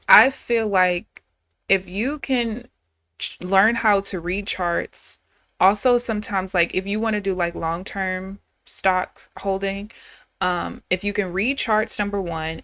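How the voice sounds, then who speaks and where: A woman's voice: on the low side, a bit bright, no room sound. Candid woman in her thirties, chatty trader. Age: 30s. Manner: candid, chatty, talks straight to viewers. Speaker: day trader streaming live. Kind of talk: casual live-stream chat.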